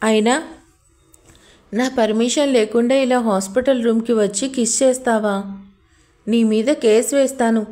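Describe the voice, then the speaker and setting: A woman's voice: on the high side, steady tone, unhurried, long pauses, mellow, natural voice. A woman voicing a playful, spirited young wife in an audio story, teasing in her talk.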